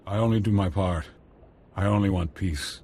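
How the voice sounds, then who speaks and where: An actor playing a humble, earnest tribal informant in a video game, speaking in a halting, deferential way. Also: male voice, deep voice, a little mellow, slightly rough. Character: humble, earnest tribal villager, an eager-to-help male informant.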